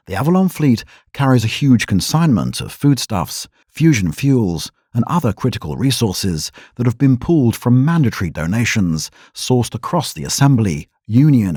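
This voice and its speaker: A sci-fi radio news anchor, husky, expressive pitch, formal and measured, close dry sound. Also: male voice, no echo. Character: composed male radio news host of a sci-fi colony. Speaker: radio news host and interviewer. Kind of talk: scripted broadcast news delivery in an audio drama.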